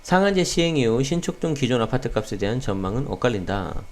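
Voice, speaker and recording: A man hosting a daily real estate news talk, slightly hoarse, speaking casually with many fillers. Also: mid-range voice, fast. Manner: relaxed, many fillers, talks straight to viewers. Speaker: real estate channel host.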